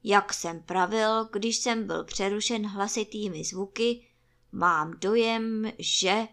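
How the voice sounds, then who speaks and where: A woman voicing a gloomy, grumbling old male donkey who speaks slowly and mournfully. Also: mid-range voice, creaky, fairly bright tone. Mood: stern. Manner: mournful, slow and self-pitying.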